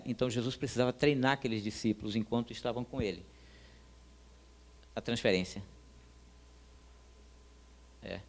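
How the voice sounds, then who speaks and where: A man teaching a church class in a sermon style, emphatic and animated, speaking directly to his listeners. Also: medium pitch.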